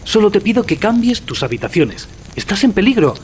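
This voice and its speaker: Casting: earnest young student, secretive and anxious, highish swooping voice, audio drama with noisy ambience. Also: male voice, sing-song, a little fast, a little mellow. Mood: pleading, fearful.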